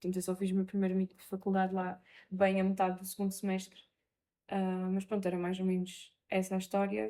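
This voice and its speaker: Speaking at a very fast pace, a woman has a dark, mellow tone, monotone, flat intonation and big swings in loudness. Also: medium pitch for a woman. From Azores, Terceira Island. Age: 20s. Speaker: university student. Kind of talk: personal interview testimony. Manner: hesitant, many fillers.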